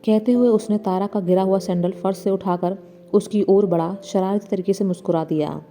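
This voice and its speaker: A woman with a dark, medium-pitched voice narrates a scripted story at normal speed in a steady tone. She reads several figures' dialogue with mild shifts in voice, and soft music plays behind her.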